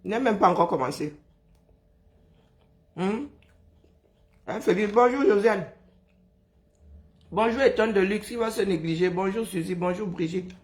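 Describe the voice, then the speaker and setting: A Cameroonian woman with a hoarse, broken voice, chatting casually on a live stream and greeting viewers by name, exhausted, teasing, humming and sighing between remarks. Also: mid-range voice, a little mellow. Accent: Cameroonian French. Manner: chatty, teasing, drawn-out sighs and hums. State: hoarse, worn-out voice.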